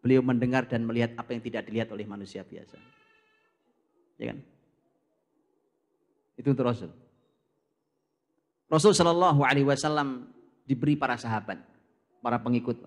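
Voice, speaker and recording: A man preaching from scripture, lively and direct, who often turns to his listeners and acts out little dialogues. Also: medium pitch, fairly quick, pauses often. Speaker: Islamic preacher. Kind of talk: Quran study talk.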